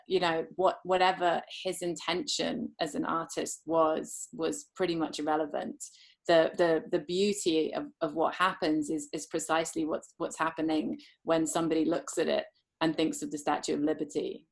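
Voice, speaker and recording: A low-pitched woman musing aloud about art and meaning, circling back and restarting her sentences. She sounds reflective and unhurried, as if answering a question after a talk. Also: vocal fry. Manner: thoughtful, rambling with many restarts. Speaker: dharma speaker.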